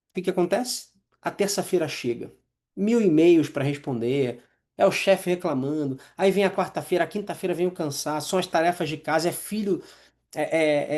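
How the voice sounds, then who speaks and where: A man's voice: sits high, darkish tone. Male mental coach, live masterclass; conversational, engages the room with questions. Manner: conversational, asks the audience questions, acts out inner voices.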